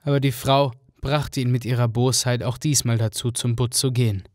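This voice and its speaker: A man narrating a fairy tale for a radio play in a calm, measured way. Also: mid-range voice, no room sound, studio quality.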